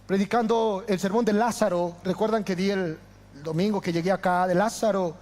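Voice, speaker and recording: A pastor preaches with fervor, his fairly high voice rising to loud declarations and falling to near-whispers. A long reverb trails each phrase, the sound of a church hall. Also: fairly even intonation, normal speed. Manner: impassioned, swinging from loud to hushed. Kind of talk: sermon.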